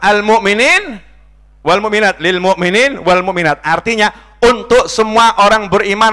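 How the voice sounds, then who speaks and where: A man preaching a sermon to a mosque congregation, jumping between loud raised exclamations and soft, low asides, with playful jokes for the listeners.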